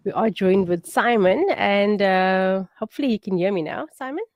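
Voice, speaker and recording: A woman's voice: medium pitch, normal speed, darkish tone, no room sound. Bubbly South African woman radio host. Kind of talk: live radio interview.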